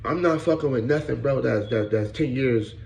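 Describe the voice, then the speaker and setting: Man in his late 30s, gravelly, blunt street-talk commentary, echoey room with faint ambience. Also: medium pitch, moderate pace, darkish tone, a little hiss or hum. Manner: blunt, profane, repeats "bro" and "you know what I'm saying". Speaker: podcast host. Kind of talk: casual commentary.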